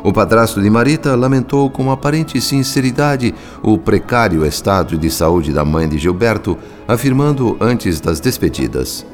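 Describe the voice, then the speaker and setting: Um ator brasileiro interpretando um espírito narrador de radionovela, observador, solene e literário. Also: male voice, fairly low pitch, lively intonation, soft background music, lightly acted. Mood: grave, observant. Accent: Brazilian. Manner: measured, literary, solemn. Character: grave, thoughtful male spirit narrator observing human families. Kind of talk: scripted radio drama narration.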